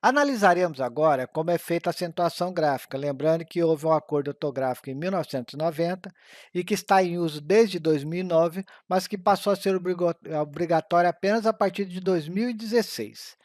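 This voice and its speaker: A man reads an exam-prep grammar lesson, slowing down carefully over the examples. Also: sits high, darkish tone, no echo, studio quality. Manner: slow, careful reading of examples.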